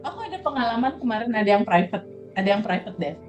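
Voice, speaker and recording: A woman speaking as a guest coach in a conversational interview, talking softly and slowly and repeating words for emphasis. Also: medium pitch, expressive, faint music behind. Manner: soft, slow, reflective, repeats words for emphasis. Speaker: guest coach on emotional release.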